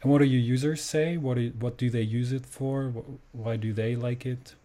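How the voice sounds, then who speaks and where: A man's voice: mid-range voice, steady tone, normal speed, dark tone. A man from Germany, a native German speaker, hosting an interview in English with an enthusiastic, casual manner. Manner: enthusiastic, says "awesome" often.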